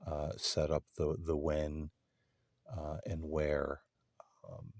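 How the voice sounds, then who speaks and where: A man hosting a paranormal session, putting questions to unseen beings in a halting, deliberate way with long pauses. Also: extremely low pitch, monotone, a little mellow, no echo, studio quality. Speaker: host of a paranormal contact session.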